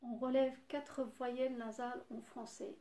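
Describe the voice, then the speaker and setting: A woman lecturing on phonetics, talking slowly and deliberately and pausing to list examples. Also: fairly high pitch, flat delivery, dark tone. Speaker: university lecturer. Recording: echoey room.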